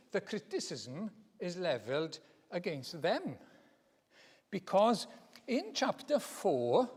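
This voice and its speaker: A man preaching a teaching sermon in a church, expressive and repeating phrases for emphasis. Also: high-pitched, slightly rough. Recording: reverberant church hall.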